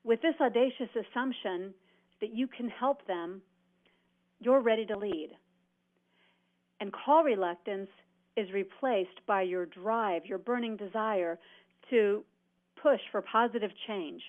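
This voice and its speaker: A woman's voice: medium pitch, unhurried, pauses often. A woman giving an instructional sales presentation in a motivational, emphatic way, delivering her points phrase by phrase. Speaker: sales trainer presenting cold calling tips. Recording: dull, band-limited audio.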